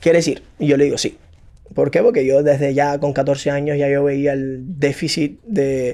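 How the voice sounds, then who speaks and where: A man speaks at a moderate pace with a fairly high pitch, a dark, mellow tone and fairly even intonation. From Cuba. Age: 30s. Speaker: entrepreneur. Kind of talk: interview. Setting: in person in Miami.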